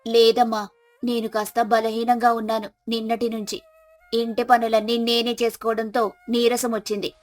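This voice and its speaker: Woman voicing a high-pitched earnest village wife. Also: little pitch movement, normal speed, lightly acted. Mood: meek excuses. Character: lazy village wife turning earnest and hardworking. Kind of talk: moral storybook character voice. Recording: music behind the voice.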